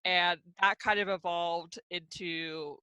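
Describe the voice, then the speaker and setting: A young woman in her twenties talks casually on a video call about her teaching. Her voice is very bright and dry, with no room around it. She sounds relaxed and easygoing. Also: lowish voice, slow, clean tone, no room sound. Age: 20s. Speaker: online ESL teacher.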